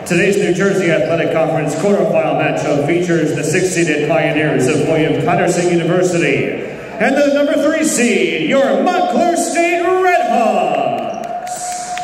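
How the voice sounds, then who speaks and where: A man's voice: moderate pace, distant mic. A man works as a public address announcer at a sports game, speaking formally and stretching out names with emphasis. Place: large indoor college gymnasium. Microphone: handheld mic into PA, speaking through face mask, picked up by nearby camera. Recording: booming echoey gym PA, heard from afar, with music and crowd.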